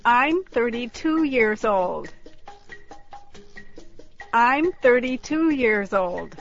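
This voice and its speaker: Slow, careful woman repeating drills. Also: a little high, expressive, a bit bright. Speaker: drill speaker in language lesson. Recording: dull recording with faint music.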